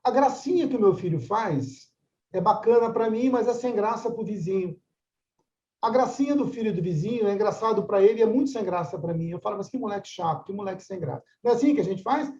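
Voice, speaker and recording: A man's voice: high voice, expressive, fairly quick, warm tone, echoey room, muffled recording. An older man mediating a religious study class, talking conversationally and often asking "right?" of his listeners. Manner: conversational, frequent tag questions. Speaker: course mediator.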